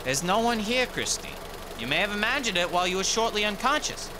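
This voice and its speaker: An actor playing a calm emergency rescuer in an audio drama, asking questions in a reassuring way. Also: male voice, high-pitched, fairly quick, background noise. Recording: loud idling vehicle engine behind.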